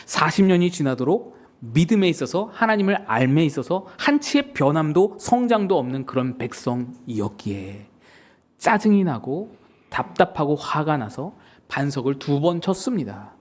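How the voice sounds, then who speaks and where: A male pastor preaching a sermon, telling stories in an animated way and acting out the people in them. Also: a little high, normal speed. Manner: animated storytelling with acted quotes.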